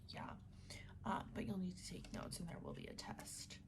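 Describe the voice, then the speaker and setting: A woman speaking in a gentle, unhurried, breathy whisper, playing a reassuring student advisor in an ASMR roleplay. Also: lowish voice, wildly swooping pitch.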